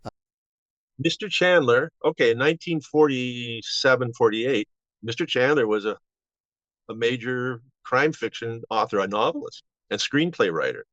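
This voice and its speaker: Halting older man, dull dry recording. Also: medium pitch, expressive, a bit bright, no room sound. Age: 70s. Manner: halting, rambling with false starts. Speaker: interview guest. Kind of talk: casual reminiscing. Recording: dull, band-limited audio.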